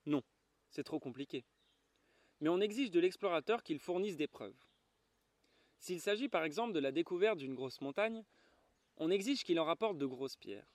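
A man voicing an old male geographer, a self-important scholar, in a measured way, in a dry recording. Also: on the high side, animated, no room sound, lightly acted. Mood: lofty.

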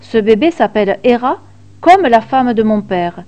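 A woman's voice: on the high side, animated, unhurried, mellow, lo-fi sound. A woman reading the inner thoughts of a puzzled young male god messenger in a storybook tale, in a wondering, thoughtful manner.

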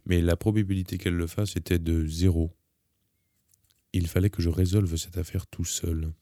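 A man calmly reading a novel aloud in the first person, measured and even. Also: low voice, no room sound, clean studio sound. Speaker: audiobook narrator.

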